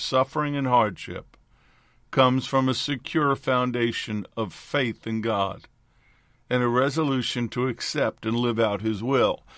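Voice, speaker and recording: Pitch varies in an ordinary way in an ordinary speaking voice. Behind it lies a silent background on a very clean recording. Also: man. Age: 60s. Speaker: radio Bible teacher. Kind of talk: Bible study sermon. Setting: studio.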